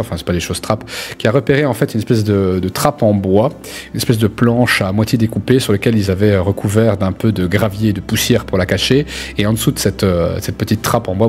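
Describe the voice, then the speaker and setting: Low-voiced man running a tabletop game. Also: darkish tone. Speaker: game master. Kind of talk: improvised narration of a tabletop role-playing game.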